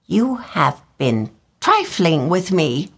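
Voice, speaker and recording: A woman's voice: fairly low pitch, wildly swooping pitch, slow pace, fairly bright tone, slightly rough, heavily acted. A woman voicing a vain, fussy little male swallow in a storybook reading, talking in a chirpy, self-important way. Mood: complaining. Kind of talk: storybook character voice.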